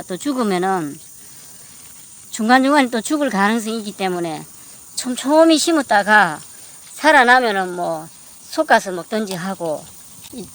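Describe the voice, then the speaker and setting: A woman, narrating her own farm vlog in a plain, matter-of-fact way with a mild grumble. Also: mid-range voice. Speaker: home farmer vlogger. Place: outdoor vegetable field.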